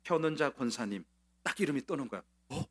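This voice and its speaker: A man's voice: mid-range voice, animated, fairly quick, fairly bright tone. A man preaching a Sunday sermon as pastor, telling a personal story in a conversational way with frequent "uh" fillers and repeated words. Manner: conversational storytelling, quoting others in a changed voice.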